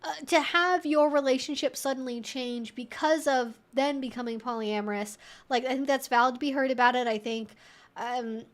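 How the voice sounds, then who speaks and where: A woman's voice: high-pitched, normal speed. A woman hosting a casual advice livestream, answering questions in a conversational, rambling way peppered with "like" and "you know".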